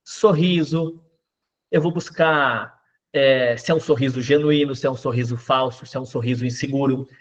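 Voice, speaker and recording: A man teaching a class on body language, explaining step by step with lists of examples and quick checks with his listeners. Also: medium pitch, steady tone, muffled recording. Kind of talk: recorded class lecture.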